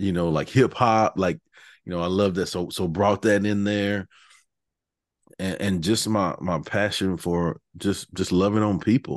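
An ordinary speaking voice with an American accent talks at a fairly slow pace with fairly even intonation, recorded dry and close with no echo against a quiet background. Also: man, fairly low pitch for a man. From Texas, small town. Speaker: author and speaker. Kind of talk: casual interview chat.

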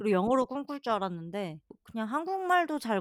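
A woman speaks at a moderate pace with a fairly high pitch that swings very widely. The sound is dry and close, with no echo. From Seoul, South Korea. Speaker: podcast co-host. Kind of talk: casual chat.

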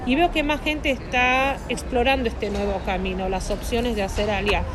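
In a room with audible echo and noticeable background noise, a woman speaks at a moderate pace. Her pitch is fairly high, with ordinary pitch variation. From Argentina, Bahía Blanca. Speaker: Zionist organization representative. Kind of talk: interview. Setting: outdoors at a street corner café.

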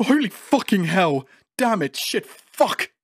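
In a put-on character voice, a man speaks slowly and high-pitched, with big pitch swings, a fairly bright tone and a slightly husky edge, on a very clean recording with a silent background and a dry, close sound with no echo.

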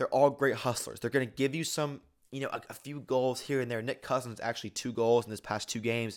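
In a very clean recording with a silent background, a man with an American accent talks at a very fast pace and medium pitch. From Nashville, Tennessee, US South. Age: young. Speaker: sports podcast host, student. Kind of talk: solo sports talk podcast. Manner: animated.

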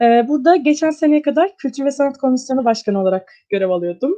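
A high-pitched female voice with a dark, mellow tone, at a fairly quick pace. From Istanbul, Zeytinburnu. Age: 20s. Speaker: university student and youth volunteer. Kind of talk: interview. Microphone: echo.

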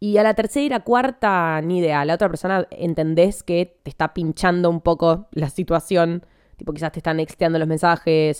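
Animated in tone, a woman with a Rioplatense accent speaks at a fairly quick pace and fairly low pitch with ordinary pitch variation, in a dry, close sound with no echo and a very clean recording with a silent background. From Argentina. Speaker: podcaster. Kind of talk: casual monologue.

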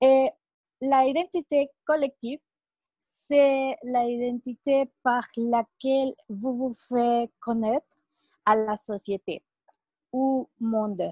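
A woman with a Spanish accent speaks at a very slow pace with long, frequent pauses, her high-pitched voice showing ordinary pitch variation and a dark, mellow tone in a dry, close sound with no echo. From Mexico. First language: Spanish (speaking French). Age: 20s. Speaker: law student. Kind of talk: casual chat.

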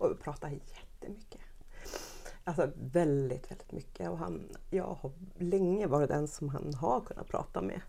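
A woman at a moderate pace, her loudness swinging widely, with audible room echo. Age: 40s. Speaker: guest, mother and friend of host. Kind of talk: casual chat.

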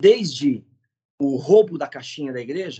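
The man's voice sits at a fairly high pitch. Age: 50s. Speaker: historian and journalist. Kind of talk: interview. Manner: halting.

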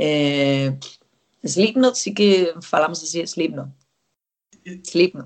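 A woman with a Spanish accent, fairly low-pitched, at a very slow pace with lively intonation and long, frequent pauses. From northern Spain. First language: Spanish (speaking Portuguese). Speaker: metal singer and nurse. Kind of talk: interview. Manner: halting.

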